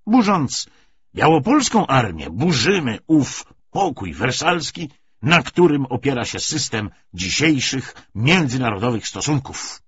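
A sly Bolshevik official acted out by a male audiobook reader holds forth pompously in a husky voice. His delivery is slow and swings widely as he pauses and swells. The recording is slightly dull. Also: mid-range voice, a bit bright, full character voice. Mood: oratorical. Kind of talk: audiobook character speech.

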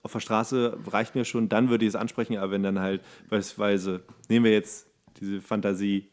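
A man's voice: lowish voice, level tone, moderate pace, darkish tone. A man in his thirties chatting casually as a podcast co-host, rambling and rephrasing mid-sentence. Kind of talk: casual chat.

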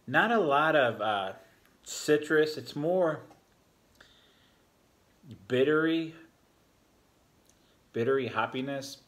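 A man's voice: on the high side, slow, long pauses. Rambling middle-aged man reviewing beer. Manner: relaxed, rambling, many fillers. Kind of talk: casual beer review vlog. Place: home bar room, indoors. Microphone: fixed camera at a table.

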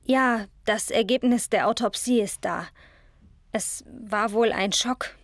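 A bewildered schoolgirl in a horror audio drama. Her voice is a little high, and she talks in a caring, hesitant way. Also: slow pace, no room sound, clean studio sound. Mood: subdued. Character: concerned, bewildered teenage schoolgirl.

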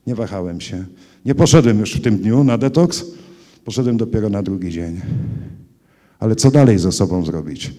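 A man giving an earnest personal testimony to a congregation, moving between hushed recollection and loud cries. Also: on the low side, animated, normal speed, long pauses. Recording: long hall reverb.

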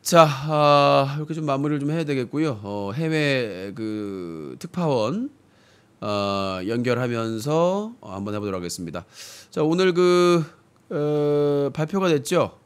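Blunt streaming host with a sore throat. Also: male voice, medium pitch, animated, a little slow, clear, resonant tone. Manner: filler-heavy, blunt ranting. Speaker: streaming news-comedy host. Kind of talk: satirical live-stream commentary. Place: small room with fish tank, indoors. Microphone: desk mic on stand, webcam framing.

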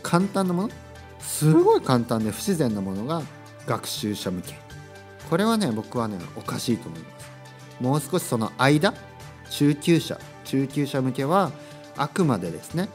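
A man from Kyushu talks through a casual solo podcast, his pitch swinging up and down in an animated, sing-song way. He repeats his points for emphasis and slips into playful acted-out exchanges. Soft music plays faintly behind him. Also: unhurried. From Kyushu, Japan. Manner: chatty, repeats phrases, acts out short dialogues. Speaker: podcast host teaching Japanese.

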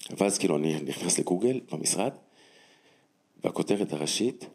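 Deep, husky-voiced man telling his story. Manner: animated, emphatic retelling with acted-out dialogue. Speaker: guest telling a personal story. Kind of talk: personal testimony storytelling.

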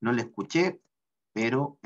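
A man's voice: mid-range voice, animated, unhurried, muffled recording. A man teaching a mechanics class online, working through equations step by step and often checking in with a questioning "ah?".

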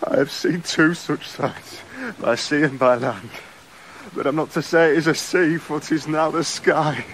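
An actor playing an excited young country lad in a radio drama, his speech tumbling out. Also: a little high, a little slow, slight background noise. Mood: awestruck. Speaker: young shepherd, the son.

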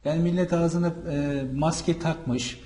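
A man's voice: a little high, steady tone, a little slow, dark tone, a little hiss or hum. Chatty rambling man. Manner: chatty and rambling, many fillers. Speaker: visa and travel consultant. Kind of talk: casual vlog monologue.

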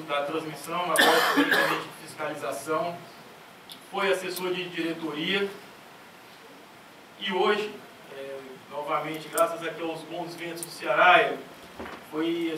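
A man, an agency director, giving a ceremonious formal speech at a conference panel into a handheld mic. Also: a little high. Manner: ceremonious, greeting officials one by one. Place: large conference auditorium. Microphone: handheld mic, seated at a panel table. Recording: echoey hall from far off, clear noise.

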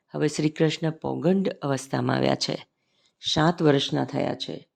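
Gravelly man telling a devotional scripture story. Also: fairly high pitch, darkish tone. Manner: measured, reverent storytelling with invocations.

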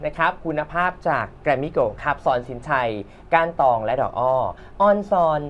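A man's voice: fairly high pitch, moderate pace, slight background noise. A man co-hosting a TV music show, joking and bantering playfully with his partner. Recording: slightly dull sound.

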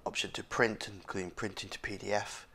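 A man's voice: fairly low pitch, level tone, fairly quick, creaky, sharp tone. A man with a scratchy, sore voice, casually hosting a tech walkthrough with frequent fillers and restarts. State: hoarse, sore throat. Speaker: tech video host. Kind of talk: casual screen-recorded walkthrough.

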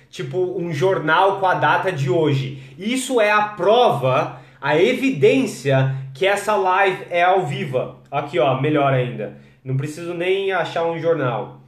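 Slow-talking Brazilian man teaching English. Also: a little high. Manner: relaxed, chatty, greets viewers by name, models pronunciation slowly. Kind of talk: live-streamed English lesson. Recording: echoey room.

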